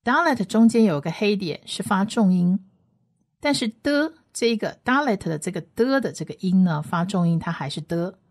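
A woman leads a radio Bible lesson, walking through Hebrew letters one by one. She talks patiently and says each sound again and again, slowly, so listeners can follow along. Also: medium pitch, expressive.

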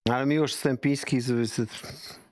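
A man's voice: medium pitch, fairly even intonation, a little slow, darkish tone, no echo. A man in his fifties discussing football as a studio pundit, speaking emphatically and repeating phrases for weight. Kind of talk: animated panel discussion. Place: TV-style talk studio.

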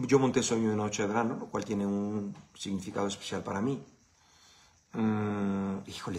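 A man's voice: lowish voice, a bit bright. A man with a Mexican Spanish accent hosting a casual live Q&A. He answers viewer questions in a blunt, profane, conversational way.

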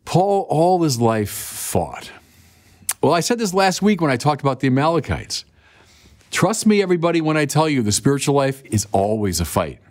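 An older man in his sixties delivers a sermon in a lively, chatty way. His pitch rises and falls freely as he speaks straight to the listeners. A close lapel mic in a quiet indoor studio picks him up. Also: moderate pace. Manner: animated, conversational preaching with direct appeals. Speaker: bishop.

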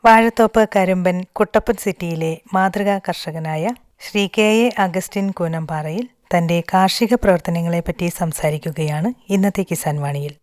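A woman's voice: on the low side, darkish tone, dry recording, studio quality. A woman reading a formal, scripted introduction for a radio program. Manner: formal and measured.

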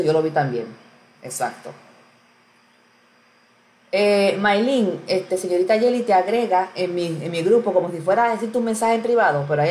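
A woman's voice: on the low side, darkish tone. A woman hosting a live stream in casual chat, greeting viewers by name and answering their comments. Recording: roomy echo with faint background noise.

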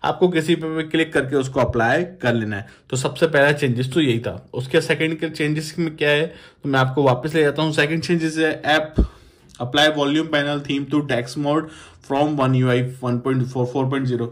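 A man's voice: fairly high pitch, fairly even intonation, unhurried. A man, presenting a casual phone tutorial in a repetitive, instructional way, addressing viewers as friends. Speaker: tech YouTuber.

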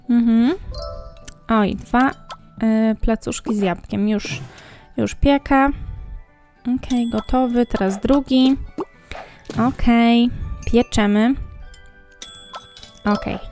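A young gaming vlogger gives casual let's-play commentary in a slightly high, darkish voice. She chats with both the game characters and her viewers while faint game music plays underneath.

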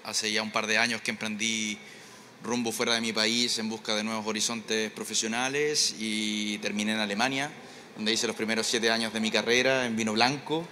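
Hesitant Chilean man, bright voice. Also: lowish voice, level tone, moderate pace, slight background noise. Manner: hesitant, repeats words, many fillers. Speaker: winemaker guest. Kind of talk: live stage interview. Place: stage in a large indoor trade fair hall. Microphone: handheld microphone.

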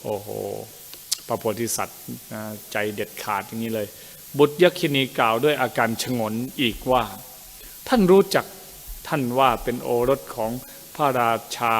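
Man reading scripture in an echoey room. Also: mid-range voice. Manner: halting reading, sounding out Pali words and correcting himself; chatty asides ending in gentle particles. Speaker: Buddhist Dharma teacher. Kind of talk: reading scripture aloud with commentary.

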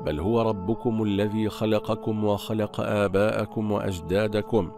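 A man voicing a calm, confident prophet in a retold religious story, speaking in a steady, assured way. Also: on the low side, normal speed, close to an everyday voice.

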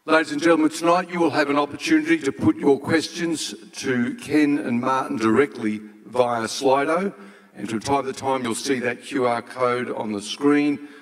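A man in his sixties hosting an event from a stage, speaking formally in a measured, solemn way. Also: mid-range voice. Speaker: event host. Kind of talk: formal stage introduction and prayer. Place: large auditorium stage. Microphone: handheld microphone. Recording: hall reverb from stage PA.

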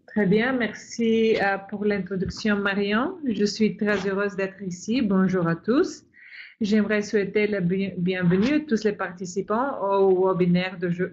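A woman who is not a native speaker presents a webinar, reading carefully with occasional restarts. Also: medium pitch. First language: not French. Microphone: video call. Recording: lo-fi webinar audio.

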